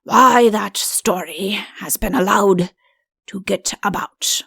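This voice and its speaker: A woman's voice: medium pitch, takes it slowly, vocal fry, sharp tone, husky, no echo, clean studio sound, heavily acted. A woman voicing a middle-aged fairy-tale king in an audiobook, a doting father who blusters and rambles self-importantly. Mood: stern, dignified. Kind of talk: audiobook character voice.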